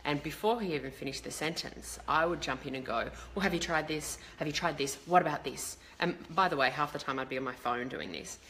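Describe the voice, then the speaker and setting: A low-voiced woman with a bright, forward tone and a slight crackle hosts a casual live stream. She talks in a chatty, rambling way, like a coach addressing online viewers, over noticeable background noise. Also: a little fast, hardly any pauses. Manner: chatty, rambling, greets viewers mid-thought.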